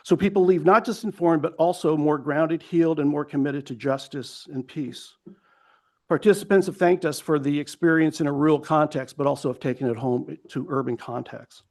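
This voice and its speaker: A man's voice: on the high side, moderate pace, darkish tone. A man in his fifties from Hawaii, a pastor giving an earnest public comment at a county hearing, often restarting phrases and telling a short story along the way. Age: 50s.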